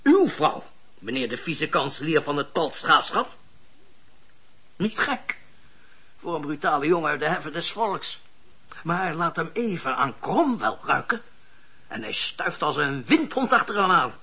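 An actor playing a cynical, bossy political schemer in a radio drama, speaking emphatically and with sardonic bite. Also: male voice, fairly high pitch, very animated, unhurried, long pauses, pushed and bright, slightly rough, exaggerated voice. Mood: sardonic, scheming. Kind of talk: Dutch radio drama acting. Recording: dull lo-fi radio recording.

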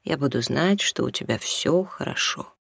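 A reader voicing a patient husband who speaks softly and low, holding back hurt. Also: normal speed, gravelly, slightly rough, dry recording, clean studio sound, exaggerated voice. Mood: calming. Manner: soft, low, restrained, calming. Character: quiet patient middle-aged husband and father.

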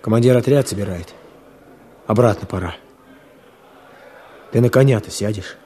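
A man's voice: on the low side, moderate pace, warm tone, close to an everyday voice. A man acting an earnest young fighter in a radio play, grieving but hopeful, speaking in a heartfelt, reflective way. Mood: caring, encouraging.

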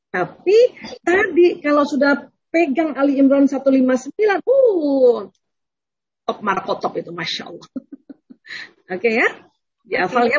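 A woman giving a religious talk on parenting, lively and often laughing as she acts out prayers and children. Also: high-pitched, lo-fi sound. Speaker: speaker on Islamic parenting. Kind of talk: religious talk with audience questions.

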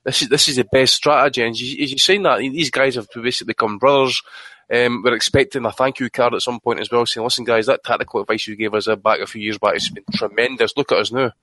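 Bright blunt sweary man. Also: medium pitch, steady tone, fast, no room sound. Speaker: podcast co-host. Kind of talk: casual boxing chat.

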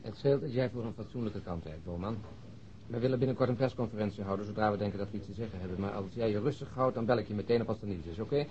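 A man's voice: lowish voice, very fast, a little mellow, lo-fi sound, a little hiss or hum, natural voice. A man playing an easygoing, curious police detective with an informal manner in a naturalistic radio drama. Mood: businesslike.

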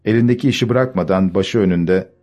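A man reading an audiobook in first-person scripted narration, with a measured, even delivery. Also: deep voice.

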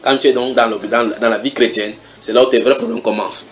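A man preaching a church sermon, animated, with many rhetorical questions, swinging from loud bursts to quiet asides. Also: mid-range voice, quick pace, a little hiss or hum.

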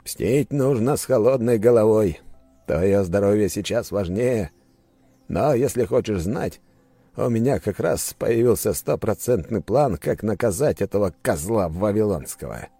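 A raised, smooth voice for a scheming prince, falsely concerned and coaxing, as an audiobook narrator puts him on. It is delivered close and dry. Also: male voice, lowish voice, animated, measured pace, warm tone, no room sound, soft background music, pitched above the performer's own voice, heavily acted. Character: scheming, smooth-talking middle-aged prince. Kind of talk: audiobook character voice.

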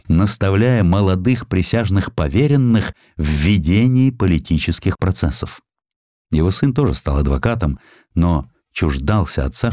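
Male audiobook narrator, low voice, very animated intonation, theatrical storytelling, historical essay. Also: dry recording, studio quality. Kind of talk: dramatic scripted literary narration of a historical essay.

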